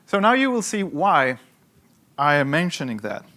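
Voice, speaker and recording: A man's voice: on the high side, very animated, moderate pace, pushed and bright. A man teaching a hands-on workshop to a live audience. He talks emphatically, repeats key points and keeps checking that people follow. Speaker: workshop instructor.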